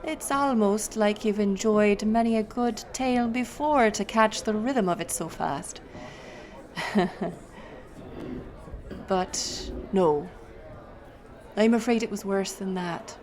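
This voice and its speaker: Roguish female smuggler captain, played by a woman, medium pitch, unhurried and wry, theatrical storyteller for pirate audio drama. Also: darkish tone, close to an everyday voice. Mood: teasing, wry. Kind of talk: in-character audio roleplay storytelling.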